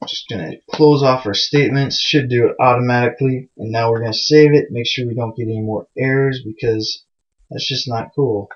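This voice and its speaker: A man's voice: mid-range voice, fairly even intonation, a little fast. A man hosting a programming screencast, talking loosely and mocking himself, with plenty of fillers. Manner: loose, chatty and self-mocking, with many fillers. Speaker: programming tutorial host. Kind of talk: casual screencast tutorial. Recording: dull lo-fi mic sound.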